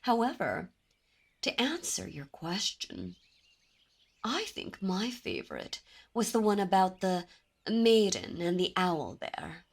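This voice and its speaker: A woman voicing a dominant, possessive demon princess in an ASMR roleplay, speaking in a silky, commanding way with soft whispers. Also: medium pitch, big pitch swings, takes it slowly, husky, exaggerated voice. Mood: languid. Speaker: voice actor. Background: birdsong and ambient sound effects.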